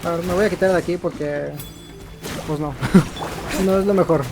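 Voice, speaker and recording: A man's voice: on the high side, fairly even intonation, brisk, vocal fry. A man with a Mexican accent giving casual, slangy and playful commentary on a video game. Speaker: gaming video host. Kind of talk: casual let's-play commentary. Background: faint game music.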